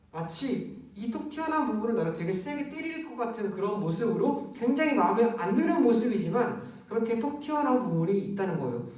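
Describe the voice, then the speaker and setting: Wearing a face mask, a thirtysomething youth pastor with a very high voice preaches a livestreamed sermon, by himself in a spacious church office. He keeps it gentle and conversational, pausing often, and the distant mic picks up heavy echo.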